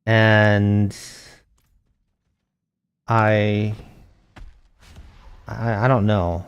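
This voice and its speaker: A soft-spoken young man chatting casually while live-streaming a game, reading chat aloud and thinking out loud with a gentle voice. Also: fairly low pitch, flat delivery, very slow, clean tone, muffled recording.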